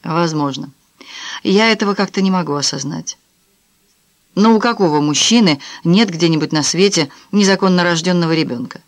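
A woman's voice: lowish voice, normal speed, no echo, natural voice. A woman voicing a cynical, self-assured married man who lectures in a glib, dismissive way in an audiobook.

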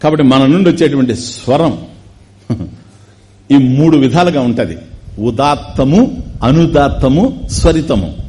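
A man gives a spiritual discourse, and his pitch rises and falls in wide, animated swings. He draws out chanted Sanskrit terms, then drops into easy, chatty explanation with laughs and asides. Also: measured pace, long pauses. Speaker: spiritual teacher giving a discourse. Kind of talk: Telugu religious discourse on scripture.

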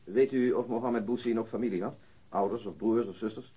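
Laconieke rechercheur met lage, matte stem. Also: male voice, on the low side, brisk, dark tone, breathy edge, low-quality recording. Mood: polite questioning. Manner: understated, dryly ironic. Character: calm, dry, laconic male police detective. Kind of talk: radio drama acting.

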